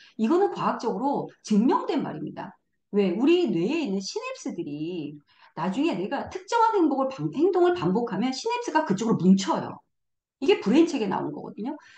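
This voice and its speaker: Her voice is high-pitched, with a dark, mellow tone. The woman's pitch swings very widely. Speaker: network marketing business leader. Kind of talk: motivational seminar talk. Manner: fast.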